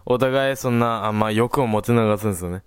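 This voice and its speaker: A man from Hirosaki with a Tsugaru dialect accent, a guest chatting casually on the radio in a lodge room, halting and full of restarts. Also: fairly low pitch, clear, resonant tone. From Hirosaki, Aomori, Japan.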